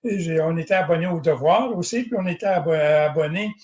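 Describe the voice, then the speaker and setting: An older man speaks in a noticeably high voice. He tells his memories in a digressive way and keeps clearing his throat. His voice echoes around a roomy space. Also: fairly quick. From Northern Ontario, Canada. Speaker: guest. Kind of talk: rambling personal recollection.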